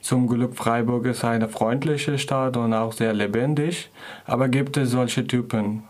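A man talks as an interview guest at a middle pitch. He speaks hesitantly, pausing with little fillers as he builds his sentences in a language he learned later. The tone is a plain, personal account. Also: fairly even intonation, a little mellow. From Afghanistan.

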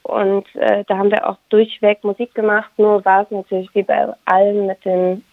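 A young woman, a Ukrainian native speaker from Germany, giving thoughtful interview answers as a singer and violinist, pausing to search for words. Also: mid-range voice, little pitch movement, no echo. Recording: dry, tinny phone-like line.

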